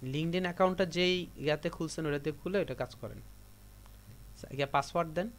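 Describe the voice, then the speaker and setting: A man's voice: a little high, fairly quick. A man from Bangladesh teaching a computer class, giving repetitive step-by-step instructions to his students. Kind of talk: live classroom tutorial.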